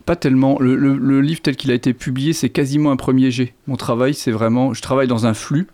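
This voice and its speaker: A man's voice: medium pitch, fairly even intonation, fairly quick, dark tone. A middle-aged man from Lorraine whose first language is Lorraine Franconian, speaking hesitantly with many restarts as an author in an interview. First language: Lorraine Franconian (Platt). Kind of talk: literary interview.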